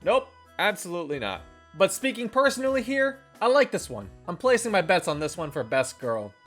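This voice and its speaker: An animated reviewer narrates a scripted video with lively swings in pitch and a tongue-in-cheek tone. The voice sits at a medium pitch, with music playing faintly underneath. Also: a little fast. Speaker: video game reviewer, channel host. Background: faint background music.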